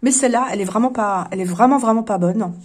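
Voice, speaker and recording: A woman reading tarot cards in a casual, chatty vlog, talking emphatically, repeating words for stress and often clearing her throat. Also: on the high side, fast talker. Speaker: tarot card reader.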